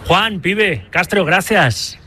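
A man hosting a sports radio show, speaking, moving briskly through football news and handing over to reporters. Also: high voice, lively intonation, bright, forceful tone, a little hiss or hum.

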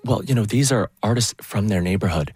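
A man's voice: lowish voice, animated, brisk, a little mellow, husky, no room sound. A man, a theatre artistic director answering radio interview questions earnestly and enthusiastically, rising on key words.

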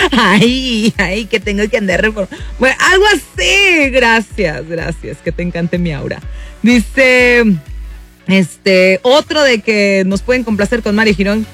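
A Mexican woman in her thirties hosts an afternoon radio show, chatting in a bubbly, self-mocking way and often laughing. She speaks slowly with a bright, forceful tone. Music plays faintly under her studio mic. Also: a little high, animated. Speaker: radio host. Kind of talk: casual radio chat reading listener messages. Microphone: studio microphone.

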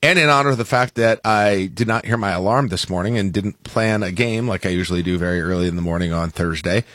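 An American man hosts a morning radio show, close on a studio microphone, trading casual, joking banter with halting self-corrections. His voice is deep and a bit bright, and there's no echo.

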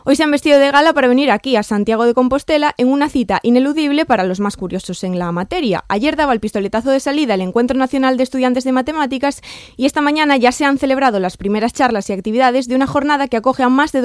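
A woman reporter reads a news package briskly in a fairly high voice. Her delivery is polished and scripted. The sound is dry and close to the mic. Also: no echo.

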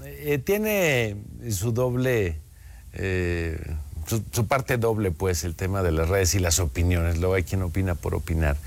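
A man hosting an interview in a relaxed, chatty way with many fillers. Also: low-pitched, a little slow, creaky. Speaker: host. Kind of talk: radio-style interview chat.

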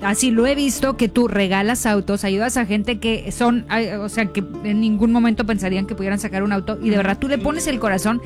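A woman's voice: mid-range voice, brisk, few pauses, music in the background. A woman co-hosting a radio show, chatty and effusive. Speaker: radio co-host. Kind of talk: lively radio chat.

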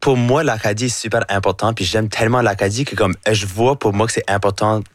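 Acadian man, low voice, chiac slang. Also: steady tone, a little fast, no room sound, clean studio sound. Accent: Acadian French (chiac). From Acadia, Canada. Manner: mixes English words into French, many fillers. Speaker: drag artist guest. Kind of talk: radio studio interview. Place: studio.

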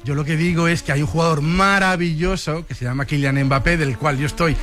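Male radio panelist, slightly high voice, eloquent, emphatic, faint music behind. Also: fairly quick, a bit bright. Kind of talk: casual studio chat.

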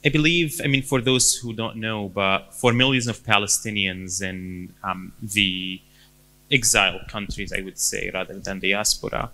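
A man in his thirties from Syria with a Syrian accent, answering interview questions in a halting way with many fillers and restarts. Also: lowish voice, bright, forceful tone. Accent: Syrian Arabic. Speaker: guest.

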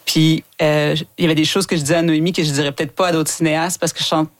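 A woman's voice: deep voice, level tone, quick pace. A woman filmmaker with a Québécois accent from Quebec City, talking reflectively in a casual interview, with many fillers. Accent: Québécois French. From Quebec City, Canada. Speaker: filmmaker guest.

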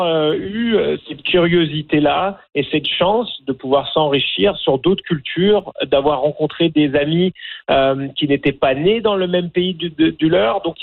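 Hesitant French man on a phone line. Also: a little high. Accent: French from France. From France. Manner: hesitant, many fillers and restarts. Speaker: documentary filmmaker guest. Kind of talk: radio interview.

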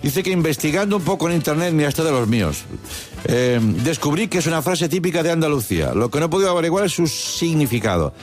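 A man's voice: a little high, lively intonation, fast talker, soft background music. A man hosting a comedic chat show, reading listener questions in a playful, easily distracted way. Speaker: podcast host.

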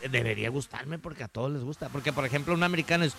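A man's voice: medium pitch, very fast, vocal fry, a bit bright. A man with a Mexican Spanish accent hosting a playful morning radio chat, joking and reading out a phone number. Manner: playful, jokey, repeats phone number in sing-song. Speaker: radio show host.

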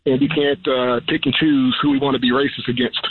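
A man's voice: medium pitch, level tone, fairly quick, slight background noise. A man calling in to a talk show over the phone, speaking earnestly and urging listeners to act. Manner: earnest, exhorting. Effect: heard over the phone. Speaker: caller. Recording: tinny phone line.

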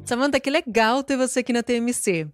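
A woman's voice: a little high, fairly quick, no echo, clean studio sound, faint music behind. A woman interviewing an actress for a TV channel, asking enthusiastic, admiring questions. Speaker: interviewer, TV presenter.

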